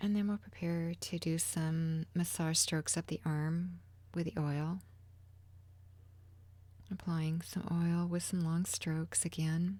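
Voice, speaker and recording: A woman speaks very slowly in a somewhat breathy, fairly low voice with a dark, mellow, soothing tone, ordinary pitch variation and very even loudness. Long, frequent pauses break her speech, and the recording is very clean with a silent background. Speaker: massage therapist. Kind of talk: ASMR massage instruction. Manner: soothing, soft-spoken.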